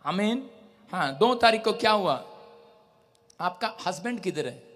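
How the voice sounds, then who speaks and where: A man leading a live prayer service as pastor, commanding and repeating his orders in rising shouts. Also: high-pitched, animated, measured pace.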